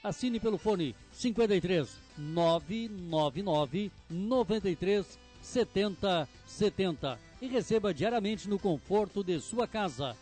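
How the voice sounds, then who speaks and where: A man reading radio ads in an upbeat, smooth sales voice. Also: high-pitched, expressive, slow, a little mellow, soft background music. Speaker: radio ad announcer. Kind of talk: scripted radio ad read.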